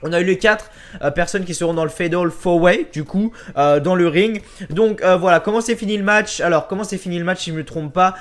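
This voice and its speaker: High-voiced man giving an opinionated recap. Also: fairly quick. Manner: opinionated, frequent fillers and repeats. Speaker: wrestling show recap host. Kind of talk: casual spoken recap.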